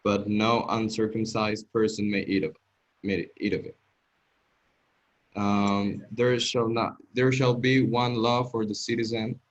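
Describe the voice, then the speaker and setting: Low-voiced man reading haltingly, accented. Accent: non-native English. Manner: halting reading, stumbles and repeats words. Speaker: student reading aloud. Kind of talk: reading scripture aloud in a group. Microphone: video call. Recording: dull, lo-fi video call audio.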